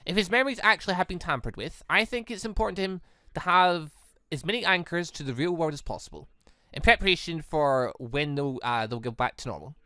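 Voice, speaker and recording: A calm, formal headmaster from a visual novel, as voiced by a let's-player. He speaks deliberately and probingly, pitched a little under everyday talk, in a dry close sound. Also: no echo. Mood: measured, persuasive. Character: calm, measured, formal male school headmaster.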